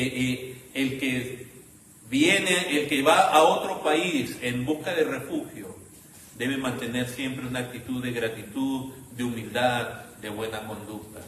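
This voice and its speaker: A man's voice: medium pitch, a bit bright. Earnest preacher man in an echoey room. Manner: earnest, pleading, addresses listeners as brothers. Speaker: pastor. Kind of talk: sermon. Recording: echoey room, voice from some distance, faint hiss.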